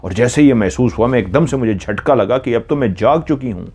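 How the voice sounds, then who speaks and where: A man narrating a first-person horror story in a measured, dramatic way, dropping into hushed tones at tense moments. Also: mid-range voice, expressive, slightly rough. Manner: measured, hushing to near whispers in tense moments.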